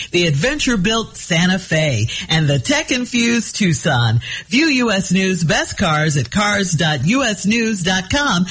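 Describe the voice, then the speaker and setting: A woman co-hosting a radio show, handing off to a break and reading an ad in a smooth, polished announcer delivery. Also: medium pitch, fairly bright tone. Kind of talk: smooth radio host segue and ad read.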